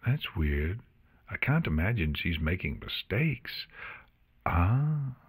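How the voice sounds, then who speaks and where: Man voicing a cheeky young mare, lively and slightly husky. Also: low voice, slow, full character voice. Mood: wry musing. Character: cheeky, chatty young female pony paladin, awkward and irreverent.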